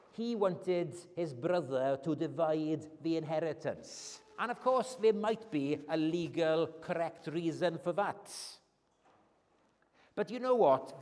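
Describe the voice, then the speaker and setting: A man's voice: on the high side, a little mellow. A man with a Welsh accent preaching an earnest evening sermon in a church as a guest preacher. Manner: earnest, emphatic, rising on key phrases. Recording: long church reverb.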